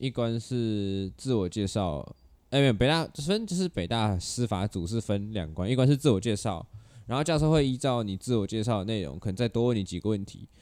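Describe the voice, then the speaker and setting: In a very clean recording with a silent background, a man with a dark, mellow tone and medium pitch speaks at a fairly quick pace with lively intonation. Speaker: university applicant student. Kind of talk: casual chat.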